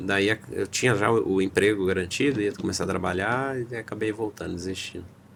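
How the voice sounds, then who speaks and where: A man is talking. His pace is moderate. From Brazil, Rondônia (Cerejeiras). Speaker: neurosurgeon. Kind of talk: podcast interview. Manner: halting, with repetitions.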